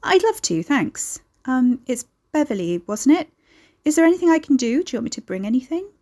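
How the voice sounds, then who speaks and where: A woman's voice: medium pitch, expressive, normal speed, darkish tone, lightly acted. A woman voicing an awkward younger woman in an audiobook, apologetic and eager to please, polite and hesitant. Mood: forced brightness.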